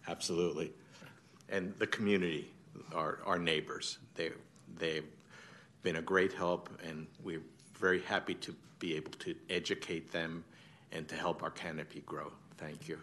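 A man's voice: deep voice, steady tone, normal speed, a bit bright, a little hiss or hum. A man from a tree project giving plain-spoken, hesitant thanks at a city meeting. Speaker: tree project volunteer accepting award. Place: city council chamber.

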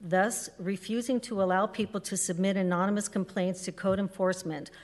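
A woman's voice: mid-range voice, steady tone, fairly quick, darkish tone. A woman reading a formal prepared statement aloud as a public commenter at a council meeting. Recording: echoey hall with long reverb.

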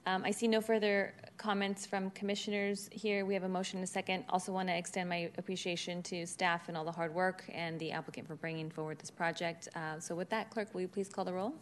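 A woman's voice: fairly low pitch, flat delivery, a little fast, few pauses, a little hiss or hum. A woman chairing a public commission meeting, friendly and procedural.

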